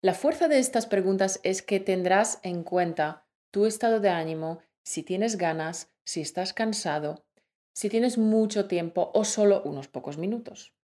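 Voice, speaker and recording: Clear-spoken woman teaching podcast lesson. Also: mid-range voice, a little slow, dark tone. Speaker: co-host of a Spanish-learning podcast.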